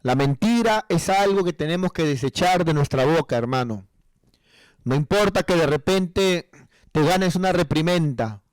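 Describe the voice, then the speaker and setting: A man delivering a sermon from the pulpit, his voice sitting a little high for a man. He preaches with rising emphatic passages and acts out prayers. The sound is dry and close. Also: expressive, normal speed, no room sound. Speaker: pastor.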